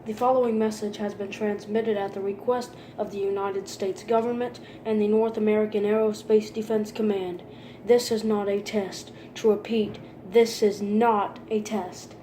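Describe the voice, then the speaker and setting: A woman delivers a formal emergency broadcast announcement. Her voice is dark and mellow, with very little movement in pitch and an impersonal delivery. The recording has a roomy echo. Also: level tone, normal speed. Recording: roomy echo with faint background noise.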